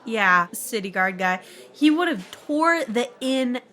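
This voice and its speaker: Female tavern adventurer, acted by a woman: high voice, unhurried, offhand heroics, comic fantasy. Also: lively intonation, fairly bright tone. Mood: nonchalant, proud. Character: tough yet casual female tavern adventurer. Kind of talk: amateur comic fantasy skit.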